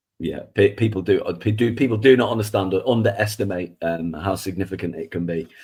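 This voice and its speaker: A man in a Manchester accent, somewhat breathy and fairly low in pitch, at a very fast pace with hardly any pauses and ordinary pitch variation. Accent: Greater Manchester English. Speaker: football podcast co-host. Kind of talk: casual chat.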